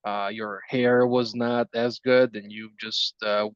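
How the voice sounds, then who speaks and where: A man's voice: on the low side, level tone, smooth, dry recording. A young man in his twenties talks casually, teasing and chatty, often restarting his sentences. His sound is dull and lo-fi, and the room is dry. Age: 20s. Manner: teasing, chatty, halting starts. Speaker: group participant. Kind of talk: casual chat.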